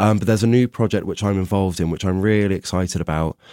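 In a very deep, low voice with a dark, mellow tone, a man speaks very fast with ordinary pitch variation, on a very clean, dry, close recording with no echo and a silent background. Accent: southern English. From southern England, Buckinghamshire. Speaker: voiceover artist. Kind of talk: casual interview chat.

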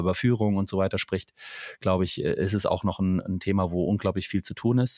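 On a very clean recording with a silent background, a man speaks. His pitch is fairly low and his intonation fairly even. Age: 50s. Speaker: HR executive. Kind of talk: interview. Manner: halting, many fillers.

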